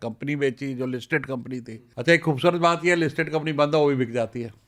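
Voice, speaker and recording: A man at a moderate pace, fairly high in pitch, with ordinary pitch variation. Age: 60s. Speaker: business coach. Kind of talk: podcast interview. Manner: animated.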